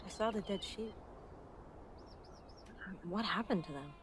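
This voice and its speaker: A woman's voice: mid-range voice, measured pace, close to an everyday voice. A woman playing an earnest, inquisitive young drifter in a video game. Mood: insistent. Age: young adult. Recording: loud noise over game playback.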